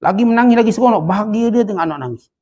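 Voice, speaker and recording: A man's voice: high-pitched, racing, mellow, slightly rough. A man with a Malaysian Malay accent teaching a Sufi text, telling stories and acting out quotes with rising emphasis. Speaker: religious teacher. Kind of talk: Sufi study-circle lecture.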